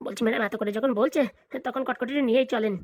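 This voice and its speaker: A performer voicing a fawning, flattering lawyer sidekick in a comedy cartoon, eager and colloquial. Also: medium pitch, fast talker, no echo, lightly acted. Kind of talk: exaggerated cartoon comedy dialogue.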